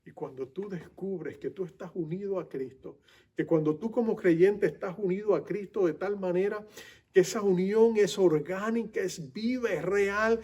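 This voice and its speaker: A male pastor preaching a sermon, talking straight to the listener and swinging from loud urgency to soft, intimate tones. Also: high-pitched, moderate pace, husky. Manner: speaks directly to listener as "tú".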